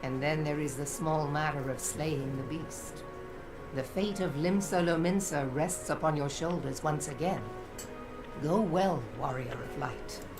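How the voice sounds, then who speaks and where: Low-voiced, commanding game admiral. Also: female voice. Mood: solemn. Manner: formal, archaic, deliberate phrasing. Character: commanding female admiral, grave and resolute. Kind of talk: video game cutscene voice acting. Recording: loud game music behind the voice. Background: game music.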